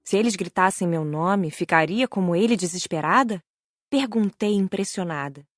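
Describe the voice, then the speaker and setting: A woman's voice: lowish voice, animated, normal speed, dry recording. Brazilian woman narrating, close dry sound. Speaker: audiobook narrator. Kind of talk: first-person scripted book narration.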